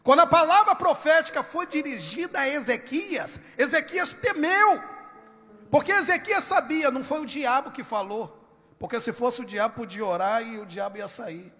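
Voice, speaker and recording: A man with a Brazilian accent preaching a sermon in a church, impassioned, swinging from soft to shouted. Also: very high-pitched, expressive, moderate pace, in a large hall.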